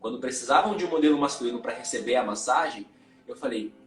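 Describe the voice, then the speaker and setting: A man, a tantra and yoga teacher, telling his personal story as a guest in a live interview, candid and halting, often repeating words. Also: medium pitch, roomy sound, faint music behind.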